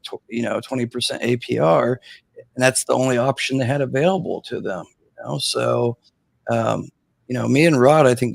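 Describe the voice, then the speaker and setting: A man's voice: medium pitch, gravelly, no echo. A man hosting a livestream in a laid-back, rambling way, leaning on "you know" as he talks. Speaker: livestream host. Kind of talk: casual livestream chat.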